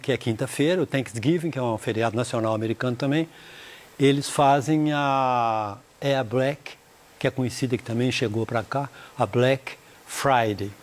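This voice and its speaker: A man with a Brazilian Portuguese accent teaching English in a recorded lesson. He explains slowly and says the English words with care. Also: mid-range voice, darkish tone.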